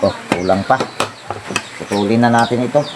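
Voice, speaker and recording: A man's voice: mid-range voice, moderate pace, heavy background noise. A man giving a casual step-by-step appliance repair tutorial, thinking aloud to himself as he works. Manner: talks to himself while working, thinking aloud. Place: outdoor home service job with roosters and birds nearby.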